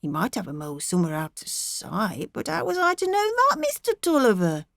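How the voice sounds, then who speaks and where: A woman's voice: medium pitch, big pitch swings, fairly quick, creaky, fairly bright tone, no room sound, clean studio sound. A woman voicing a fretful middle-aged country wife with a rural English accent, rambling on earnestly and plaintively in an audiobook. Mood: earnest, puzzled.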